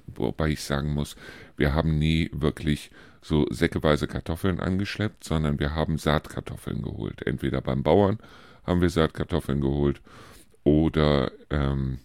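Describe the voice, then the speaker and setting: A man in his late fifties from Germany talks through a casual podcast monologue in an extremely low, bass-heavy voice. He rambles from one point to the next, pausing often to hesitate. The recording is dry and close, with no room sound. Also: gravelly, darkish tone, clear, resonant tone, no echo. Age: 50s. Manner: rambling, chatty, frequent hesitation fillers. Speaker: podcast host.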